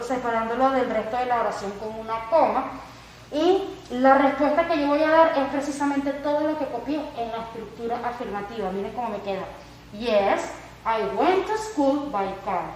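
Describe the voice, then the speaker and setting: A woman teaching English grammar, speaking slowly and carefully whenever she models an example sentence. Her voice sits a little high and comes from somewhat off the mic, in a very echoey room. Faint background noise runs underneath. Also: a little mellow, far from the mic. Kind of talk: explaining grammar to a class.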